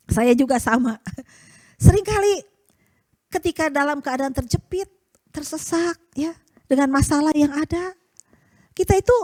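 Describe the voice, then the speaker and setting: A woman's voice: very high voice, no echo. A woman preaching a conversational sermon, asking rhetorical tag questions and acting out the prayers and voices she quotes. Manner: chatty, rhetorical tag questions, chuckles often.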